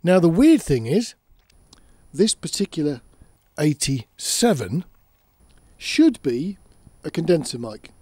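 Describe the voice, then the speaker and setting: A man presents in a casual, conversational style. His voice sits a little high for a man, with a soft, mellow tone and a noticeably husky grain. He explains things plainly and step by step. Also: sing-song, slow pace. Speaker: presenter of an audio gear channel.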